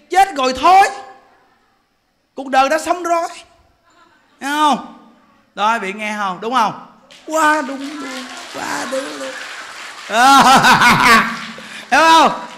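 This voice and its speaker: Laughing a lot and peppering listeners with rhetorical questions, a chatty Southern Vietnamese monk in his forties delivers a funny Buddhist sermon. His pitch is extremely high, and his voice sounds pushed and bright.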